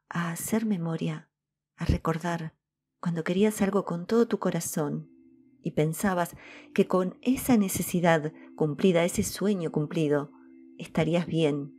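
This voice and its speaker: A woman giving a calm, soft-spoken spiritual message and reciting devotional decrees. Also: fairly low pitch, unhurried, slightly rough. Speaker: spiritual channel host. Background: soft background music.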